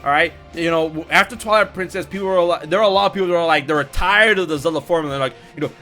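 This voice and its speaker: Excitable bright-voiced man gushing about games. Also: on the high side, rapid-fire, faint music behind. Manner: excitable, restarts and repeats words when heated. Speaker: podcast host. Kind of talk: casual gaming chat.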